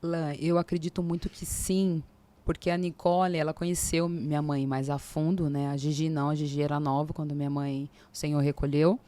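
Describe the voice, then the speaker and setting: A Brazilian woman in her forties, a podcast guest, telling a faith testimony in lively casual talk and acting out the dialogue. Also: low-pitched, fairly quick. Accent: Brazilian Portuguese. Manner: animated storyteller, acts out quoted dialogue.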